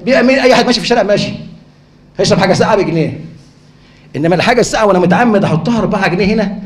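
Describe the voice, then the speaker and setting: Rapid-fire Egyptian male lecturer. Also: sits high. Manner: fires rhetorical questions and answers them himself. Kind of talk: conference lecture. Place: lecture hall. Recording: echoey hall.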